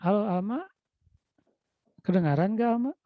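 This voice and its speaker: Over dull, lo-fi video call audio, a man teaches an online class, repeatedly calling out to his students and coaxing them along. He's a lecturer with a Sundanese-influenced Indonesian accent and a high-pitched voice at normal speed, recorded dry.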